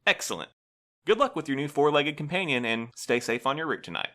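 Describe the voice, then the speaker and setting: Bright, officious male supervisor. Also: fairly high pitch, lively intonation, a little fast. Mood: brightly condescending. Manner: formal, bureaucratic, smoothly evasive. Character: prim, officious male postal supervisor, politely unflappable. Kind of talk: audio drama acting.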